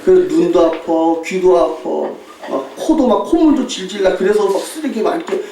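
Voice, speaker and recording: In an echoey church sanctuary, picked up by a distant mic with slight background noise, a Korean pastor delivers a sermon with a mission report. His male voice sits high and moves briskly as he tells stories with lively mimicry, imitating shouting tourists and laughing often.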